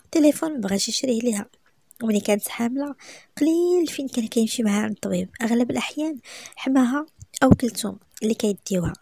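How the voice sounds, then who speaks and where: Fast, gravelly Moroccan woman storyteller. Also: fairly high pitch, animated, darkish tone, no room sound. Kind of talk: story narration.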